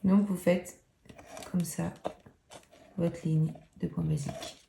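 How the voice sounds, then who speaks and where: Gravelly-voiced woman talking thru a craft tutorial, jokey and self-mocking, echoey room. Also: lowish voice, fairly even intonation, slow, warm tone, a little hiss or hum. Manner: playful, self-mocking, swears casually, counts knots aloud. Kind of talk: chatty hands-on tutorial. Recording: roomy echo.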